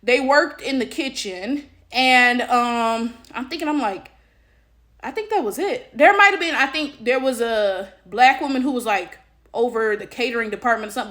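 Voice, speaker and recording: High voiced woman, late 20s, sassy and blunt, talking opinions straight to camera. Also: fairly bright tone. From Detroit, United States. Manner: emphatic, rhetorical, often checks in with "right?"; blunt, sassy, slangy, swearing. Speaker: social media commentator. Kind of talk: casual opinionated commentary to camera.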